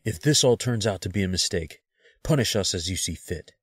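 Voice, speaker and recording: Audio drama lead: actor as blunt, protective federal agent, deepish raspy male voice, clipped phrasing. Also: lively intonation, a little fast, no echo, studio quality. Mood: firm, defiant. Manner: terse, curt.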